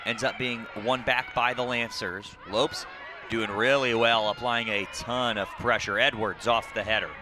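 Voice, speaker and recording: Crowd noise and outdoor ambience clearly fill this live TV soccer broadcast, where a male play-by-play commentator mixes clipped action calls with statistical summaries. His medium-pitched voice is steady in tone and a little slow.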